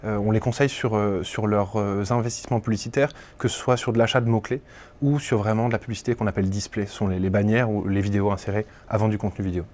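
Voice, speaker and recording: A man's voice: lowish voice, steady tone, fast talker, a little mellow. A man describing his advertising internship in a careful, explanatory manner. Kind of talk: testimonial interview.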